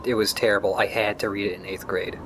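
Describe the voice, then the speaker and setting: A man's voice: lowish voice, steady tone, quick pace, noisy background. A young man chatting over a video game, making dry, jokey asides. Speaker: let's play co-host. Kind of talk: casual gameplay chat.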